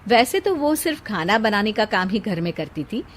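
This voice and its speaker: Brief: woman, storybook narrator, even and steady, mid pitch. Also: moderate pace, slight background noise.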